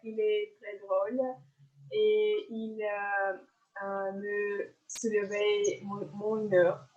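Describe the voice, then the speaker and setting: A woman in the audience speaks haltingly and slowly. Her tone stays quite flat, and the sound is slightly dull. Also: mid-range voice. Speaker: audience member giving compliments.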